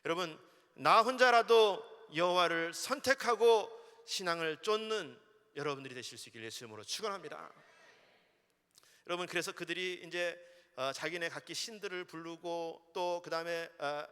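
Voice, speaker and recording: A male pastor preaching a sermon in a church, swinging between loud exhortation and hushed asides. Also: fairly high pitch, fairly quick, clean tone. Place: church sanctuary. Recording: long hall reverb of a church.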